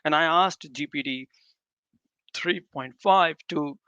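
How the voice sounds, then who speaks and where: Smooth-voiced man presenting, native Urdu speaker. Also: fairly high pitch, takes it slowly, bright, forceful tone, no echo, lo-fi sound. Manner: informal, often repeating and rephrasing himself. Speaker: tech presenter. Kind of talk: live demo talk to developers.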